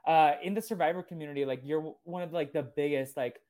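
A man's voice: on the high side, fast, mellow. A young man hosting a podcast interview, enthusiastic and chatty, filling with "like" and "uh", Portuguese his first language. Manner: enthusiastic, lots of fillers like "like" and "uh". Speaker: podcast host. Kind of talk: casual interview chat.

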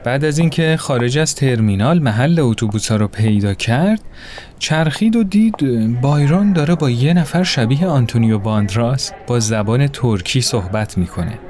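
Expressive male storyteller. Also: mid-range voice. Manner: expressive, voices characters. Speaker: narrator. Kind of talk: storytelling narration.

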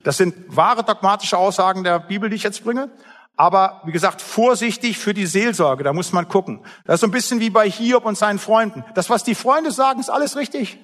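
A man's voice: sits high, fairly quick, a bit bright, in a large hall. A man preaching a sermon as pastor, emphatic and blunt, with plain everyday asides.

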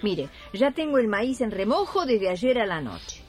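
A woman's voice: medium pitch, big pitch swings, unhurried, a little mellow, faint music behind. An actress with an Argentine accent playing a patient woman cook in a radio drama, coaxing and good-humored.

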